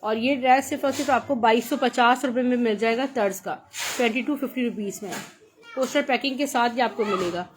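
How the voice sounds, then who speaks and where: A woman with a Pakistani accent giving a live sales pitch for clothes in chatty teleshopping patter, repeating her praise and prices. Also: brisk, background noise. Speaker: live online clothing seller.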